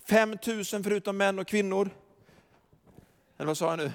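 A man preaching a sermon as pastor, emphatic, swinging from quiet asides to shouted declarations and chuckling often as he tells the story. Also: high voice, clear, resonant tone. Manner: chuckles often while telling. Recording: long reverb of a large hall.

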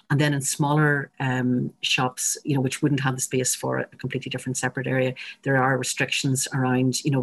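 An Irish woman with a husky, slightly breathy voice gives explanations in an interview. She feels her way through sentences, often stopping to rephrase. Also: a bass voice. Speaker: interview guest, public health advocate.

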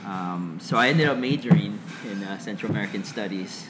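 A man's voice: lowish voice, brisk, very noisy. A young man from Los Angeles answering interview questions casually, full of fillers and restarts. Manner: hesitant, lots of "like" and "uh". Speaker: interview guest.

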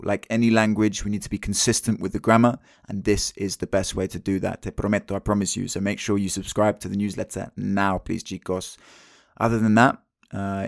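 Low, gravelly Englishman hosting a podcast. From England. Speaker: podcast host. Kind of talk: casual podcast interview.

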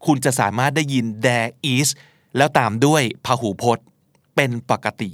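In a clean studio recording with no room sound, a man with a mid-range voice hosts a talk show about English usage, teaching as a podcast host. He speaks unhurriedly in a casual, slangy, explanatory style with emphatic asides.

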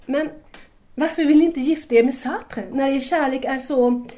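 An actress plays a naive young woman in an audio drama. Her voice sits a little high and has a soft, mellow tone. She is shy and courteous, feeling her way hesitantly and earnestly through her words. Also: steady tone, close to an everyday voice. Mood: curious, unsure.

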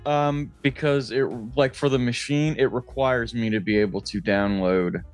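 A man's voice: mid-range voice, steady tone, moderate pace, faint music behind. A man co-hosting a podcast, chatting casually and swearing freely in an exasperated, self-mocking way. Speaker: podcast co-host.

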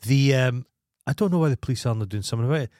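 A man's voice: medium pitch, rapid-fire, a little mellow, no room sound, studio quality. A Scottish man co-hosting a podcast in casual comic banter, sweary and indignant as he rants. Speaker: podcast co-host.

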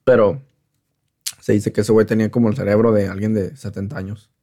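A man's voice: lowish voice, level tone, fairly quick, dark tone. A man in casual conversation, using slangy, profane Spanish with bits of English.

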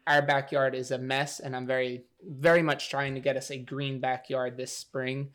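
Male podcast host, mid-pitch, upbeat and jokey, easy casual delivery. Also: level tone, moderate pace, fairly bright tone, clean tone.

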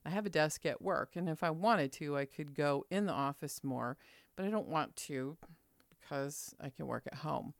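A woman's voice: low voice, moderate pace, creaky, dry recording, clean studio sound. A middle-aged woman vlogging in a chatty, rambling way with fillers. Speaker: quilting vlogger. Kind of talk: casual chat.

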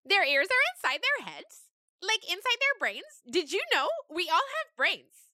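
A woman's voice: extremely high pitch, very animated, a little slow, bright, forceful tone, no room sound, clean studio sound, pitched above the performer's own voice, exaggerated voice. A woman voicing a flighty young goat who rambles with lots of "like" and "um.". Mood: earnest. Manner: rambling, full of "like" and "um".

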